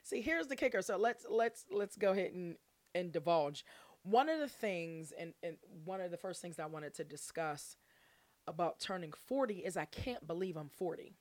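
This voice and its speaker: A woman of forty chats casually as a solo podcast host. Her voice sits a little low and is recorded dry and close. She is playful and exuberant, addressing listeners like old friends. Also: lively intonation, moderate pace, darkish tone, dry recording.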